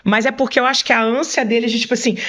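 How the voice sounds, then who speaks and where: A woman English teacher in a casual podcast chat, talking expressively and rising in pitch when she gets enthusiastic. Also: steady tone, very fast, a bit bright.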